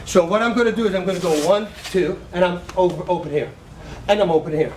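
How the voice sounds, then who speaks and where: Animated man coaching in an echoey gym. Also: high voice, quick pace. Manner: animated, counts out combos with punch sounds; shouts cues to students. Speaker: martial arts coach. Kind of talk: teaching a striking class. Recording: roomy, distant, faint gym noise.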